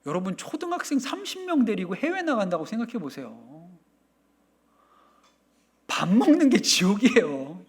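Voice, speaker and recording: A middle-aged man preaching a sermon, telling stories in an animated way with playful asides and mock quotes. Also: sits high, moderate pace, pauses often, breathy edge. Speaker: pastor.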